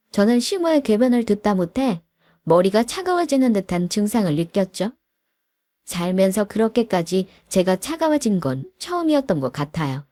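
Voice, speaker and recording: A woman's voice: medium pitch, dark tone, dry recording, clean studio sound. A woman in her thirties narrating a first-person story in a confiding way, asking the listener questions.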